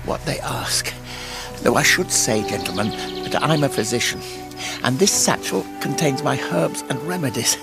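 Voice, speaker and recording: Luke, gravelly, expressive physician. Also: male voice, medium pitch, moderate pace, over music. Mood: wary, reasoning. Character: Luke, level-headed male physician and chronicler, kindly. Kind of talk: dramatised audio drama dialogue.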